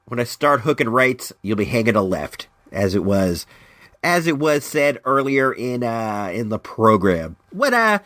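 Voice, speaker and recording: A man's voice: medium pitch, a little slow, dry recording. A man hosting his own podcast in casual rambling chat, his voice stuffed up from allergies. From Northern California. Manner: rambling, lots of restarts, animated ups and downs. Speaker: podcast host.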